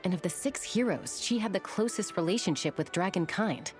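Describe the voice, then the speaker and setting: An actress playing a steady tribal woman in a video game, recounting her people's legend in a grounded way. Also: fairly low pitch, fairly quick, soft background music, close to an everyday voice. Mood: solemn, recounting. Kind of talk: video game dialogue, storytelling.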